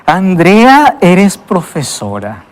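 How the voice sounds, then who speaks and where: Emphatic male host, lively reverberant voice. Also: high-pitched. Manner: emphatic, with dramatic pauses and enthusiastic wows. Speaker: host of a Bible study show. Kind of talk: TV show presenting and interviewing. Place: TV studio with guests.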